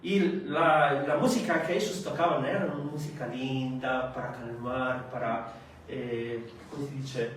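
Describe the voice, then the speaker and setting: A man preaching a sermon, speaking slowly and haltingly with frequent hesitations and rhetorical questions. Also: mid-range voice, fairly even intonation, slight background noise. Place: church meeting hall. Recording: echoey hall recorded from far off.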